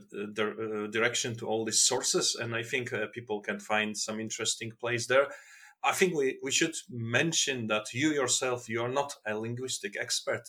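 A man hosting a podcast interview, halting and repeating words as he searches for phrasing. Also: medium pitch, sharp tone. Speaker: podcast host.

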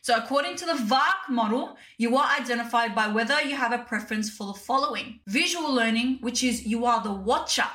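Aussie woman in her 30s, chatty podcast host, bright kinda high voice. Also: a little fast, few pauses. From Australia. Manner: chatty, direct, addresses listeners as "you guys". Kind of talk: casual solo podcast talk.

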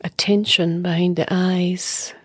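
A woman meditation teacher leading a guided meditation in a soft, breathy voice that often drops near a whisper, calm, soothing and unhurried. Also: on the low side, no room sound, studio quality.

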